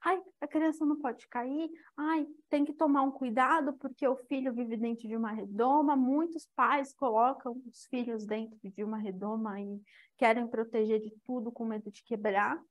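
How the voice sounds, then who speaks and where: High-voiced young woman giving a lively talk. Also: moderate pace. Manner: lively, engaging the audience directly. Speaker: lecturer. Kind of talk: interactive spiritual talk.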